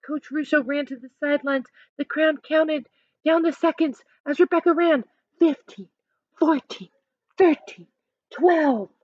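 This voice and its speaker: Woman teacher, animated storybook reading, higher voice, slow pace, dull dry recording. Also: dry recording. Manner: animated, instructive, asks listeners questions. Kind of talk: expressive picture-book read-aloud with explanatory asides.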